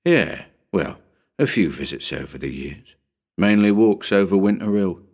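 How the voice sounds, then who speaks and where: A man's voice: low-pitched, animated, unhurried, creaky, darkish tone, exaggerated voice. A man voicing a curious male visitor who mutters hesitantly.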